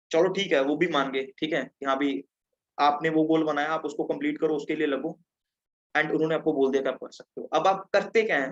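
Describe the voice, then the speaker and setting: Upbeat teenage man teaching online, dull audio. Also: on the high side. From Punjab, India. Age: teens. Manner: chatty, checks in with listeners. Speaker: webinar presenter. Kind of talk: interactive online lesson. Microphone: video call.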